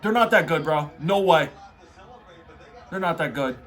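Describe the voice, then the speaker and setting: A man talking like an excitable frat bro, hosting a casual, off-the-cuff sports reaction full of slangy asides. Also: a little high, unhurried, soft background music. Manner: excitable frat-bro talk, heavy on "bro" and "dude". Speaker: host reacting to a tournament bracket.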